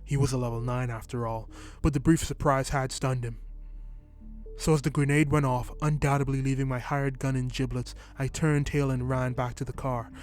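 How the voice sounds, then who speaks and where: A man reading a short story in scripted first-person narration, telling it at a steady, even pace. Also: mid-range voice, moderate pace, faint music behind.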